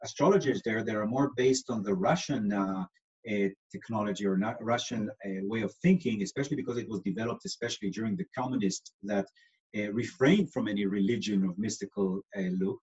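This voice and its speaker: A man's voice: lowish voice, a little fast, darkish tone. Man, Israeli accent, patient explainer, lots of fillers, slightly muffled sound. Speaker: astrologer guest. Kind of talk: explanatory interview talk.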